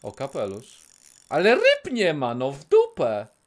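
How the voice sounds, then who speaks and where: A man in his thirties streaming a game from a small room on a headset mic, talking casually, cursing and yelling at the game, sometimes dropping to a whisper. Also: on the high side, unhurried, slight background noise. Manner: excitable, swears, yells at the game, then drops to a whisper. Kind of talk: casual live gameplay commentary.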